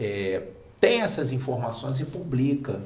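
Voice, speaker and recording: A man speaks at a fairly slow pace and a medium pitch, with ordinary pitch variation. His voice is somewhat breathy, and room echo is audible. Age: 60s. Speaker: technical author and engineer. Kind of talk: interview.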